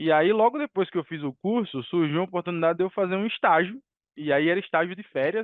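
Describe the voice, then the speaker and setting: With a northeastern Brazilian accent, a man talks at a very fast pace in a high pitch with ordinary pitch variation. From Brazil, Northeast (Paraíba, Maceió). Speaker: IT director and racing driver. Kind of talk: podcast interview. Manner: casual, animated.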